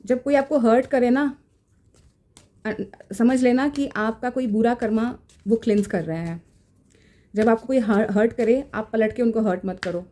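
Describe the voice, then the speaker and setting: A woman giving a casual tarot reading in a gentle, reassuring way, slipping into English phrases. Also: a little high, measured pace. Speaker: tarot reader. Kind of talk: casual spiritual guidance. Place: home room.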